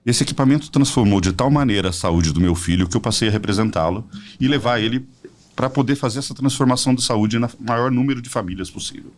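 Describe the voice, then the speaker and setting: A man in his forties from São Paulo, a podcast guest telling a personal story as a smooth sales pitch. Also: fast talker, slight background noise. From São Paulo state, Brazil. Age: 40s. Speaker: podcast guest, product representative. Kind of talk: casual promotional chat.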